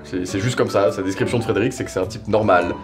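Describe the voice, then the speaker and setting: A man's voice: fairly low pitch, quick pace, soft background music. A man giving a slangy, casual spoken review, rambling conversationally and repeating himself for emphasis. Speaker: reviewer presenting audio series.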